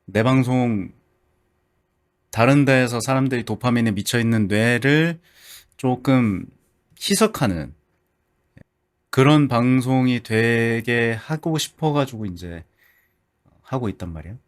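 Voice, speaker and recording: Male streamer, casual and chatty, mid pitch with lively, wide-swinging intonation. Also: unhurried, long pauses. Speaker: livestreamer, VTuber. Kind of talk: casual livestream chat with viewers.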